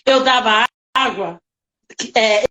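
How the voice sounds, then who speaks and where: Woman, high voice, animated, emotional storyteller, casual interview. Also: slow pace, highs cut off. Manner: animated, lively reenactments, emotional. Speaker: nanny telling stories.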